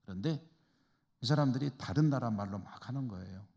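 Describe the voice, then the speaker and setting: Brisk and expressive, a slightly mellow medium-pitched male voice fills a reverberant church hall. The speaker, a pastor from Chungcheong, Korea, teaches a Bible study in a casual manner and asks his class rhetorical questions.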